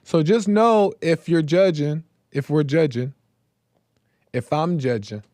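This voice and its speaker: Slow, fading-voiced man musing on faith. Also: on the high side, a little mellow, dry recording. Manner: slow, reflective, with many fillers and repeated phrases. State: voice going hoarse. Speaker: host of a live call-in faith show. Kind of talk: casual devotional talk.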